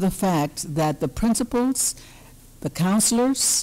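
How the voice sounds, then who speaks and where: Very wide pitch swings mark a woman's dark, mellow voice as she speaks at a very slow pace. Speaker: school district administrator. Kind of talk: presentation to school board.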